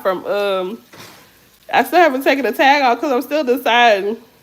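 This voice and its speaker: Over noticeable background noise, a woman speaks at a fairly quick pace with an animated tone. Her pitch swings very widely. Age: 30s. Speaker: lifestyle vlogger. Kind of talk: casual chat while cooking.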